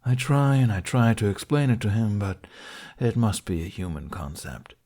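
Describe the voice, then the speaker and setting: A man's voice: fairly low pitch, very animated, moderate pace, mellow. A man voicing a sardonic, bossy male black dragon in an audiobook, with dry, blunt retorts. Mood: bemused.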